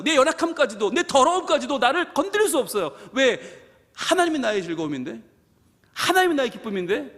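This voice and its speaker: A man preaching a fervent sermon as pastor at a church prayer service, emphatic and full of repeated phrases. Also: very high-pitched. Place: church sanctuary at a live midweek prayer service. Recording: live church hall reverb with soft music.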